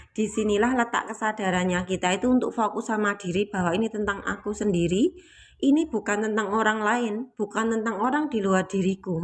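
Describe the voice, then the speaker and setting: A woman giving a reflective spiritual talk to her listeners, patient and explanatory, often repeating her key points. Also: medium pitch. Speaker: spiritual teacher.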